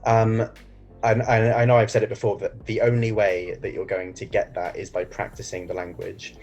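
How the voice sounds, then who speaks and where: Guy, really low voice, soft-spoken, laughs a lot, a bit of music under it. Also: flat delivery, moderate pace, muffled recording. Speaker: English teacher. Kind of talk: casual interview answers.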